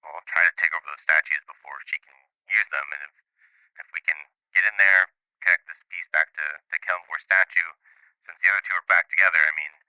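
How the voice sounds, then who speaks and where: A deep-voiced, sarcastic island mage who scolds the party and lays out the danger in a long, tumbling explanation, as a man plays him. The voice is bright and forceful, smooth and resonant, and it sounds dry and close to the mic. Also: no echo, poor audio. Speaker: player voicing a mage on a sending call. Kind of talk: tabletop role-play.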